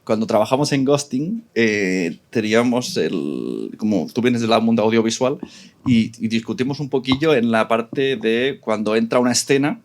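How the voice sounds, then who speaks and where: A man's voice: medium pitch, animated, normal speed. A man moderating a casual debate, jumping in informally and often repeating his words. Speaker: panel moderator.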